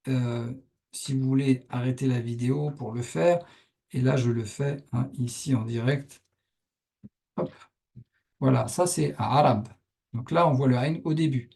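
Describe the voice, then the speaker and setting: Man teaching in a husky voice. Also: mid-range voice, warm tone. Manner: patient, step-by-step, frequent "hein" and "voilà". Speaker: Arabic teacher. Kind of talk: explanatory lesson narration over on-screen writing.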